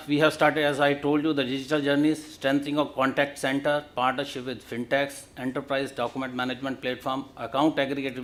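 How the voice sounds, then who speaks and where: A man with an Indian accent giving a formal business presentation as a bank executive, in a halting, list-like delivery. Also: a little high, a bit bright.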